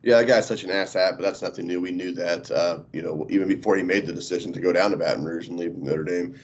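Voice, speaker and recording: A man's voice: low voice, fast talker, a little hiss or hum. A man co-hosting a sports podcast, blunt and profane, with frequent filler ums. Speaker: podcast co-host. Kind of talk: casual sports chat. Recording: dull lo-fi podcast audio.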